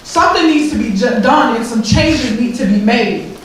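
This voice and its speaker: A tearful woman speaks with raw, halting passion, her fairly high voice stumbling over repeated words. She is picked up from a distance in a very echoey room, with a faint hiss of noise underneath. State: tearful, emotional. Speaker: grieving mother speaking at a press event. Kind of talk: emotional public speech.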